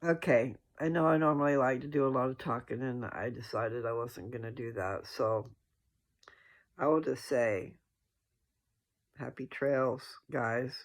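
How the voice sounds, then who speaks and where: A man with a noticeably gravelly, fry-laden voice at an average pitch. He sounds sleepy as he hosts a casual scripture chat. His delivery is homespun and meandering, and he backs up to correct himself as he goes. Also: a little slow. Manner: folksy, rambling, self-correcting. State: sleepy, yawning. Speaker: host reading and discussing scripture. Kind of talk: casual rambling religious commentary to followers.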